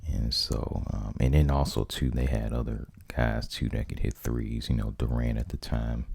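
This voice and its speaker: An American man speaking softly in a casual, rambling ASMR monologue, close to the microphone. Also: a bass voice, level tone, moderate pace, creaky, breathy edge, no room sound. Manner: rambling, conversational. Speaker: ASMR video host.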